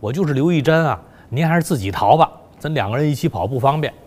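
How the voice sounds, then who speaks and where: A man's voice: fairly high pitch, animated, fast, a little mellow. A man voicing a frightened teenage prince who pleads through tears, heard with a long hall reverb. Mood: pleading. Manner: pleading, tearful.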